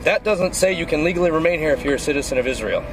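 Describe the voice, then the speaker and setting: A man's voice: fairly high pitch, expressive, very fast. A man working as a border agent, firmly repeating his demands at a roadside checkpoint. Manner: firm, repetitive demands. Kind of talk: checkpoint questioning. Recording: noisy roadside recording with traffic.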